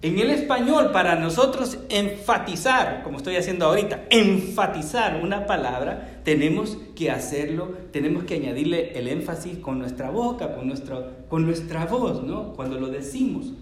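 A pastor delivers a sermon in an animated, emphatic way and keeps turning to his listeners with questions. His voice sits high for a man. The sound carries the roomy echo of a church space. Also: normal speed, hardly any pauses.

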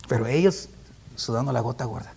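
Slight background noise sits under this man's mid-range, a little mellow voice. Preaching in a chatty Bible-teaching manner, he asks rhetorical questions, uses frequent tag questions to check on his listeners, and often chuckles.

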